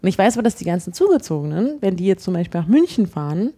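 A woman's voice: on the low side, sing-song, very fast, warm tone, slightly rough. A woman from Berlin with a Berlin accent, chatting as a podcast co-host, rambling with many restarts and fillers. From Berlin, Germany. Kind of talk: casual chat.

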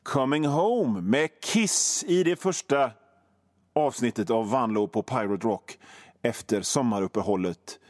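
Faint music plays behind a middle-aged radio host as he tells absurd, made-up stories with swearing and big swings in delivery. His voice is medium in pitch.

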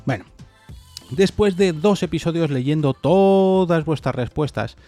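A man's voice: fairly high pitch, a little slow, mellow, no room sound, soft background music. A man hosting a solo opinion podcast, reading definitions aloud and talking them through informally. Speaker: podcast host.

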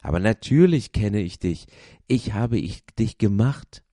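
A big, bearded woodcarver from a storybook, voiced by a man, deep and strong. He speaks slowly and reassuringly, with a dark, mellow tone. The sound is close and dry. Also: animated, no echo. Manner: warm, reassuring, slow.

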